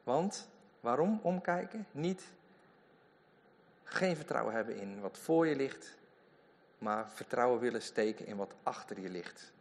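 A man preaching a lively sermon in a church, full of emphatic asides. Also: on the low side, unhurried, long pauses. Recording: long hall reverb.

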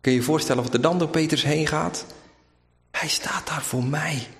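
A man's voice: on the high side, normal speed, fairly bright tone, a little hiss or hum. A man from Zeeland with a light Zeeuws-Vlaams accent, preaching a sermon and retelling the story emphatically, acting out the quoted lines. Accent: Zeeuws-Vlaams Dutch. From Zeeland, Netherlands. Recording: echoey hall with long reverb.

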